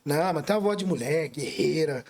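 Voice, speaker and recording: A man's voice: on the high side, expressive, fairly quick, darkish tone. A man hosting a casual online interview. He talks in a chatty, joking way, with frequent restarts and asides to his audience. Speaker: radio host, interviewer.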